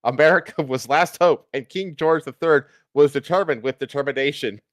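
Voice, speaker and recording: A man's voice: on the high side, normal speed, no room sound, clean studio sound. A man doing a comic reading of fan fiction on a stream, with casual asides.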